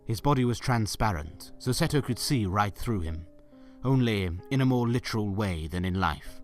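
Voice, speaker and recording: A man's voice: lowish voice, lively intonation, normal speed, faint music behind. A man narrating a scripted story as the narrator of a fan audio drama.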